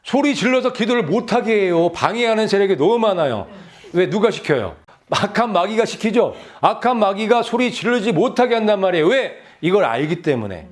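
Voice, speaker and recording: High, lively-voiced man preaching. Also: fairly quick. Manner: exhorting, with rhetorical questions and repeated phrases; addresses the congregation directly. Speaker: pastor. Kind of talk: sermon.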